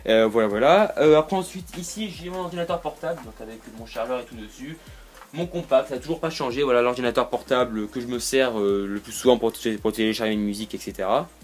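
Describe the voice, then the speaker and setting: A young man giving a casual tour of his bedroom, rambling with lots of fillers and restarts and dropping the odd joke, recorded by a camera on a tripod. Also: medium pitch. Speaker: YouTuber. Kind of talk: casual room tour vlog.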